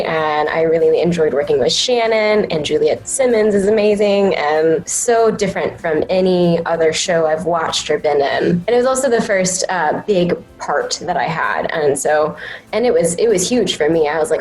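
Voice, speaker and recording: A young woman with a slightly low voice, chatting enthusiastically and rambling a little in an interview. Faint music plays underneath. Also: darkish tone, rough recording. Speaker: anime voice actress, guest. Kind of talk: casual interview chat.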